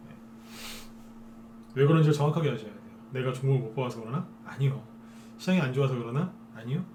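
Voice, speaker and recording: Male stock-show host, mid pitch, coaxing lecture style, faint hiss underneath. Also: fast, dark tone. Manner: persuasive, keeps asking listeners to agree. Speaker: stock market broadcaster. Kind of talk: live stock trading lecture.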